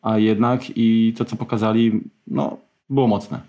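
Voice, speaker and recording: A man hosting a casual tech podcast, moving the talk along with quick questions. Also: on the low side, little pitch movement, mellow.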